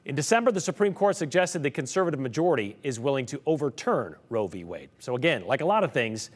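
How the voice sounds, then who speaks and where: A man anchors a news show in a medium-pitched voice. His delivery is conversational, that of a host who explains the stories as he presents them. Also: very animated, fast.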